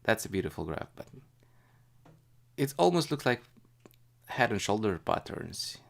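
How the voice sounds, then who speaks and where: A man hosting a casual live stream as a retail investor, thinking aloud in a halting, hesitant way. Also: on the low side, big pitch swings, vocal fry, a bit bright. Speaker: livestream host, retail investor.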